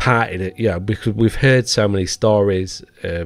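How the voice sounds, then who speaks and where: Music plays in the background. A man with a fairly low pitch talks at a fairly slow pace. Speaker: podcast host. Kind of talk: casual podcast storytelling. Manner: conversational, hesitant.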